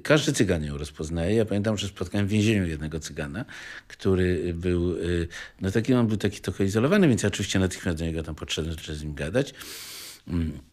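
An older man reminiscing in an interview, halting and digressive, often breaking off mid-thought. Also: sits low, expressive, a little mellow. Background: music.

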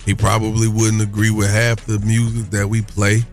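A man's voice: lowish voice, completely flat delivery, moderate pace, soft background music. A man hosting a morning radio show in casual, colloquial talk. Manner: colloquial, conversational.

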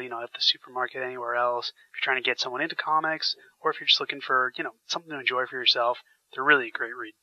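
A man's voice: medium pitch, pushed and bright, no room sound, muffled recording. A man hosting a podcast, chatting enthusiastically with frequent fillers while getting over a sinus infection. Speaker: podcast host. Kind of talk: casual podcast chat.

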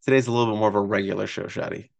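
A man's voice: lowish voice, steady tone, rapid-fire, gravelly. A man hosting a casual sports podcast, chatting and teasing his co-host in a playful way.

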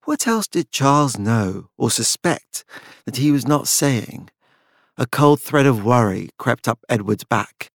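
A man's voice: medium pitch, expressive, measured pace, vocal fry, dry recording. Male audiobook narrator for literary fiction, middle register, dry studio sound. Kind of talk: scripted literary fiction narration with character voices.

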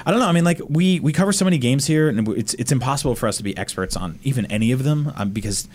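Fast-talking man on a gaming podcast. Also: mid-range voice, animated, a little mellow. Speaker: podcast panelist. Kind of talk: casual gaming podcast chat.

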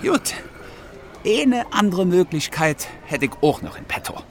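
An actor playing a casual, unflappable technician with a Berlin accent in a children's audio drama. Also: male voice, high voice, very animated, measured pace, faint music behind. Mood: casual, confident.

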